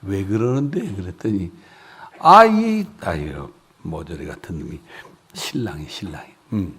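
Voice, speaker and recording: A man's voice: low-pitched, a little slow, slightly rough. A man preaching at a revival meeting in a church, telling stories animatedly and putting on the voices of the people in them. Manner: animated storytelling with acted voices. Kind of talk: revival sermon. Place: church sanctuary.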